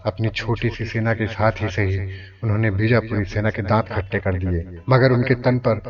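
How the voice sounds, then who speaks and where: A man's voice: fairly low pitch, steady tone, normal speed. A man narrating a scripted historical story in a formal, dramatic manner. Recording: distant, dull lo-fi, crowd noise behind.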